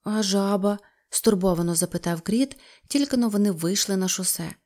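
A woman's voice: mid-range voice, expressive, brisk, darkish tone. Woman narrating a storybook. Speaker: audiobook narrator.

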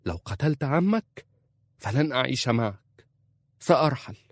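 A man reading an audiobook voices a defiant young Arab wife, pleading and insistent, raising his low voice for her. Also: animated, fairly quick, no room sound, natural voice.

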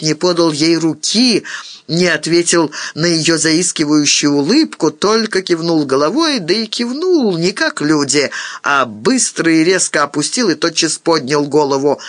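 A man reading a novel aloud as an audiobook, in an expressive, dramatic way. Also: fairly high pitch, no echo, clean studio sound. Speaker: audiobook narrator.

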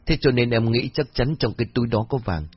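A man's voice: medium pitch, quick pace, breathy edge, dull audio, soft background music, close to an everyday voice. A man voicing a frightened young village man who begs and swears oaths, in a storybook reading. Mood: pleading. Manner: wailing, begging, swearing oaths.

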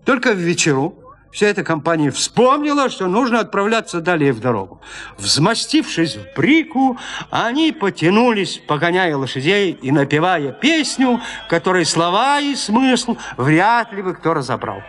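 A man narrating a classic literary tale in an expressive storytelling manner. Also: high-pitched, moderate pace.

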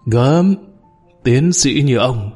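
Bitter underling turned accuser, read by a man; mid-pitched, scornful. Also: lively intonation, normal speed, darkish tone, faint music behind, lightly acted. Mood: mocking. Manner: mocking, accusing, wailing. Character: bitter downtrodden male underling, scornful, sobbing.

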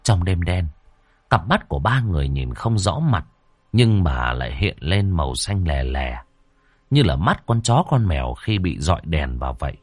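A man tells a horror story. His delivery is dramatic and suspenseful, with wide swings in pitch. The sound is dry and close, with faint music underneath. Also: big pitch swings, moderate pace, breathy edge, no room sound. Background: faint background music.

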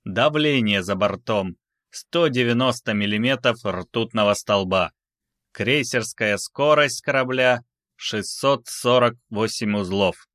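A man voicing a calm, formal spaceship computer, reciting flight readings in a measured way for a science fiction audiobook. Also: fairly low pitch, no echo, studio quality. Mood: measured, impassive.

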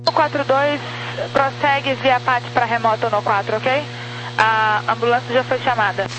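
A woman air traffic controller giving crisp, clipped instructions over a two-way radio transmission. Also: on the high side, fairly even intonation, normal speed. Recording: noisy radio transmission with hum.

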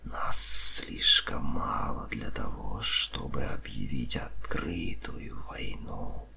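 A man voicing a mocking, arrogant serpent-man leader in an audiobook, in a soft, hissing whisper with a haughty, drawn-out delivery. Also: very deep voice, voice pushed down, full character voice. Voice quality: breathy whispering hiss, soft. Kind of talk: audiobook character voice.

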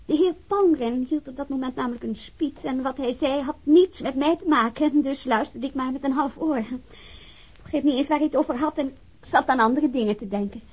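An actress playing a guarded, evasive witness in a radio drama, speaking hesitantly and with cool politeness. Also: female voice, high voice, a little fast, a little mellow, close to an everyday voice. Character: guarded, evasive female witness under police questioning. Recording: dull lo-fi radio drama recording.

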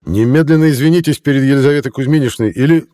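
A man's voice: mid-range voice, quick pace, dark tone, no echo, clean studio sound, pitched above the performer's own voice, natural voice. A man voicing a proud police inspector who speaks in a stern, formal way. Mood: indignant. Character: proud male police inspector, indignant gentleman.

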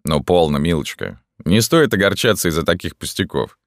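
A man's voice: sits low, expressive, a little fast, dry recording, clean studio sound. A man playing a smug, amorous army captain.

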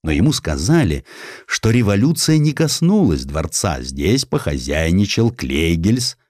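A man's voice: low-pitched, big pitch swings, a little slow, darkish tone, no echo, studio quality. A man narrating historical sketches as an audiobook, with wry, theatrical expression. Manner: wry, theatrical storytelling with acted quotes.

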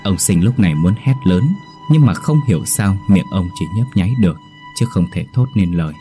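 A man narrating a scripted ghost story in a slow, ominous storytelling manner. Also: deep voice, lively intonation, warm tone. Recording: faint background music.

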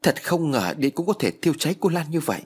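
A man's voice: on the high side, big pitch swings, fast talker, breathy edge, pitched above the performer's own voice. A man voicing a grief-choked older brother. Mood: grave, grieving. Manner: choked, grave and urgent.

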